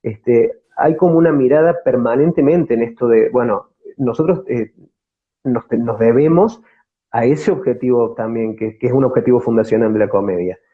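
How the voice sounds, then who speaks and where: Man, Argentine Córdoba accent, mid-pitched, conversational interview, hesitant repetitions, lo-fi radio-like audio. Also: normal speed. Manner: hesitant, searching, repeats words as he goes. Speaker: theatre company actor, interview guest.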